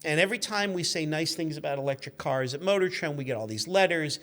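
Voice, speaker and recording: A man's voice: on the high side, fast, fairly bright tone. A man in his fifties chatting casually as a guest, telling rambling stories and acting out the exchanges he quotes. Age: 50s. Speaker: guest, car magazine editor. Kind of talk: animated anecdotal storytelling, casual chat.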